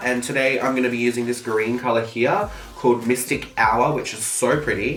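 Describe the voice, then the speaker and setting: With an Australian accent, a man speaks at a medium pitch over noticeable background noise and audible room echo. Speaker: beauty vlogger. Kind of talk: makeup tutorial chat. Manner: fast; louder than normal.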